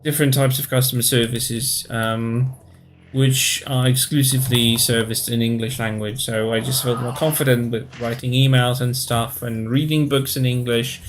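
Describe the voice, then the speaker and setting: A man's voice: medium pitch, slight background noise. Hesitant Polish-accented man in his thirties. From Poland. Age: 30s. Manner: hesitant, pausing to search for words. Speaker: streamer. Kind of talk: casual live-stream chat.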